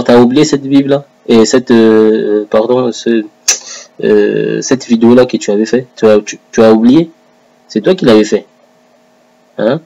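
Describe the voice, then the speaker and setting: Man, online religious commentator, husky breathy tone, combative and taunting, speaking straight to an opponent in a video rant. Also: mid-range voice, mellow, rough recording. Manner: taunting, combative, addresses his rival directly. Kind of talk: confrontational religious video monologue.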